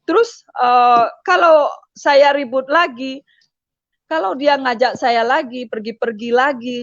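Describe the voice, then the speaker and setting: A middle-aged woman giving an emotional personal testimony, repeating herself and pausing with hesitations. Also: high voice, fairly bright tone, no room sound, muffled recording. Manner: emotional, repetitive storytelling with frequent hesitations. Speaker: testimony speaker.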